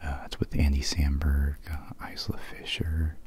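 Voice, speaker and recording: A man speaks in a hushed ASMR whisper, drifting along with fillers as he chats. His voice sits very low and dark, and it moves slowly. A faint hiss runs underneath. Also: completely flat delivery. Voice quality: soft whisper. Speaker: ASMR video host. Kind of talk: whispered ASMR movie quote game.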